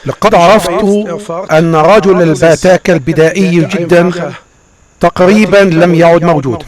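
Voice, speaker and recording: A man narrates a travel documentary. His voice sits notably high, and his phrasing is formal and measured, like a prepared script. A clear bed of many background voices and sounds runs behind him. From Egypt.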